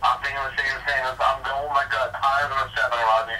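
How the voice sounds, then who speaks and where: A man playing a casual game show over a speakerphone, relaxed and thinking out loud. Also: mid-range voice, fast, crowd noise. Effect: heard through a phone on speakerphone. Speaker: contestant. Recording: distant speakerphone with faint noise.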